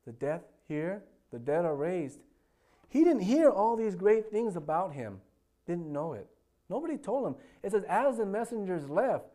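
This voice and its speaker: A man delivers a sermon in a fairly high voice. He tells stories with animation, jumping to loud bursts and then dropping to hushed asides. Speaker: pastor.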